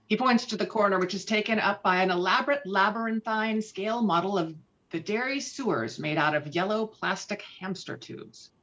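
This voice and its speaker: A woman's voice: medium pitch, moderate pace, a bit bright, dull audio. A woman reading stage directions as narrator in a script table read.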